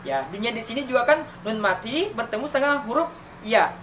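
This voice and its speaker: High-voiced man teaching recitation, slow chanted examples. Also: animated, a bit bright. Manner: asks questions and answers them himself, chants examples slowly. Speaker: elementary school Quran recitation teacher. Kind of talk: online tajwid lesson for children. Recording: distant mic, faint background noise.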